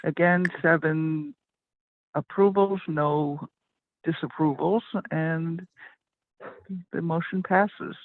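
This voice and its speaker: A man's voice: a little high, fairly even intonation, slow pace, pauses often. A man chairing a board meeting, calling a roll-call vote in an orderly way. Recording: tinny phone-line audio.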